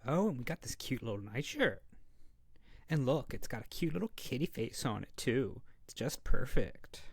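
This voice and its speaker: A man acting a gentle, doting young caretaker in a wholesome ASMR audio roleplay, speaking in a soft, reassuring way. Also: mid-range voice, no room sound, studio quality. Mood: tender, cheerful. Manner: soft, cooing, reassuring, slips into whispers.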